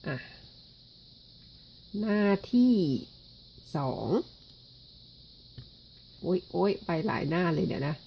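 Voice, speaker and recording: A woman's voice: lowish voice, lively intonation, slow pace, creaky, pauses often, a little mellow, a little hiss or hum. A woman who speaks Thai as her first language, chatting and reading a children's schoolbook aloud with rambling asides. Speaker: online reader.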